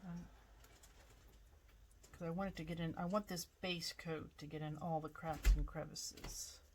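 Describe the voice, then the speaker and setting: A woman pottery artist talks through her work in a casual demonstration, relaxed and chatty, often pausing to think aloud. Her voice sits fairly low. A faint hiss of noise runs under her voice in the studio.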